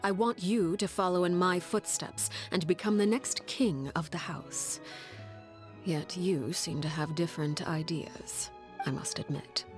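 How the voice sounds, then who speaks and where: A woman voicing a stern, composed leader of a family in a video game, speaking calmly and with command in a soft, breathy way. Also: lowish voice, faint music behind, lightly acted. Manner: calm, measured and commanding.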